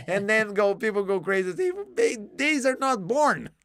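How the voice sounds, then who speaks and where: A man's voice: high-pitched, sing-song, slow, a bit bright. A man teaching English in a live one-to-one online lesson, explaining words patiently with many fillers and restarts, his voice tiring. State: losing his voice.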